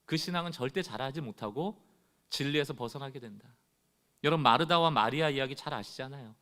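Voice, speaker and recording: A man preaching a Sunday sermon as pastor, speaking straight to his congregation and acting out quoted complaints in a loud, rising voice. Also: medium pitch, brisk.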